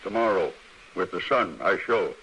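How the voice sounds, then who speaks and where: An actor playing a blunt, distrustful Plains tribal hunter in an old radio western, speaking clipped broken English in short phrases. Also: male voice, sits low, expressive, moderate pace, a bit bright. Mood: blunt, bitter. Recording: faintly noisy vintage radio recording.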